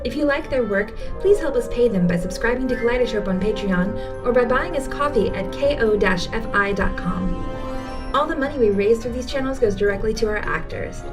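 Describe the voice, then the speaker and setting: High-voiced woman announcer over music. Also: expressive, brisk, distant mic. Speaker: podcast announcer. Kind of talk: scripted credits narration. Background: clear music.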